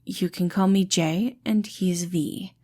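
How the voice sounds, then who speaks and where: A woman's voice: on the low side, steady tone, slow pace, darkish tone. A woman voicing a wary, protective tiny man in a storybook, speaking in a curt, reluctant way. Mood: suspicious, guarded. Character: wary, guarded tiny male borrower, protective and terse.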